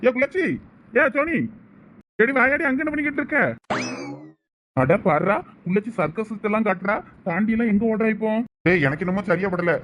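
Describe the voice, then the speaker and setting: A man's voice: high-pitched, brisk, slight background noise, close to an everyday voice. A man playing a senior student, keeping up a nosy running commentary on what he sees. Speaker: senior student in a comedy skit.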